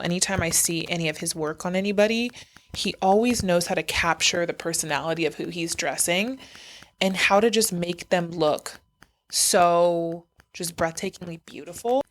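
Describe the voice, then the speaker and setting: Woman, lower voice, chatty, effusive, podcast host. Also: moderate pace. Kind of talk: casual podcast chat.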